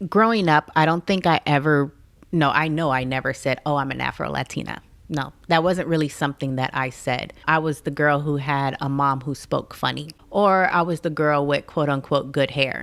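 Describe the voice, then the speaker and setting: Her pitch is very deep and low. The woman keeps a moderate tempo. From Arkansas, US South (born in Panama). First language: Spanish. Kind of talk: interview conversation. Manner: animated.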